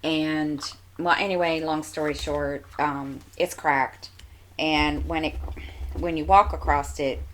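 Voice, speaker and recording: A woman's voice: deep voice, steady tone, slow pace, slight background noise, rough recording. A woman with a stuffy nose, rambling casually with lots of fillers as a crafting vlogger. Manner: chatty, meandering, many fillers and restarts.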